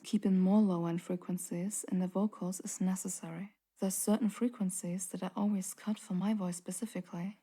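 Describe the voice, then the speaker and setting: A woman with a very deep voice giving a calm, partly whispered audio tutorial into a condenser mic in a home studio. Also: slightly rough. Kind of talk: calm instructional voice-over. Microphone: large-diaphragm condenser studio mic.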